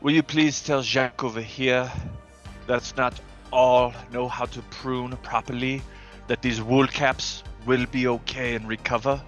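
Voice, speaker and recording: A man's voice: mid-range voice, steady tone, a little slow, fairly bright tone, faint music behind, natural voice. A man voicing a formal, easily exasperated caretaker of a magical arboretum, speaking in stilted, proper sentences. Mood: prim, indignant. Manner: formal, stilted wording, bursting into exasperated outbursts.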